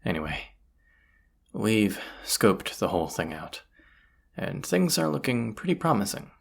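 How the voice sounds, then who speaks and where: Heavily acted and sing-song, this medium-pitched voice is creaky and husky and moves a little slowly. It belongs to a performer playing a roguish fantasy bandit leader who mutters folksy, sardonic remarks to the listener, grumbling but confident, with a focused, self-assured mood.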